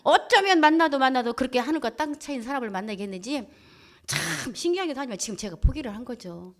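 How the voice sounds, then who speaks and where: A woman pastor giving a church testimony, telling her story in a lively, colloquial way. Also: sits high, fast talker. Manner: lively colloquial storytelling, acting out quoted voices. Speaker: pastor and head of a Christian broadcaster.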